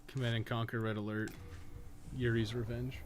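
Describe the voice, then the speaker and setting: A man's voice: medium pitch, flat delivery, normal speed, slight background noise. A man doing casual, profane, joking video game commentary as he chats with stream viewers. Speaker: live streamer, podcast co-host.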